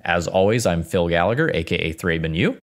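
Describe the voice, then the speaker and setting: A male podcast co-host with a very low voice that swings widely in pitch. He reads ads and lists items in a brisk, animated way. He sounds casual and practiced.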